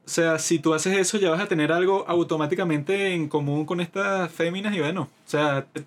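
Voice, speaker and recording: A man's voice: a little high, fairly even intonation, normal speed. A man with a Venezuelan accent chatting casually as a podcast co-host, talkative, slangy and opinionated. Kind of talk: casual chat.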